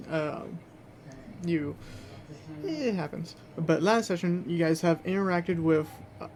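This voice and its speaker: A man acting as game master in a tabletop game, improvising narration in a halting way as he searches for words. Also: fairly high pitch, vocal fry, a little mellow. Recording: faint background noise.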